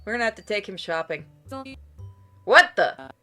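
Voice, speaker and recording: A woman's voice: mid-range voice, expressive, normal speed, bright, forceful tone, faint music behind. A woman voicing a nosy, exasperated young heroine in a visual novel game, with an incredulous, teasing manner.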